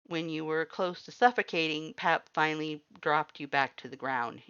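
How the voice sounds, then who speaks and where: A woman narrates a piece of fan fiction from a script. Her voice is low for a woman, with a bright, forceful edge. The recording sounds somewhat dull and muffled. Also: moderate pace, smooth. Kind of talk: scripted story narration with acted dialogue.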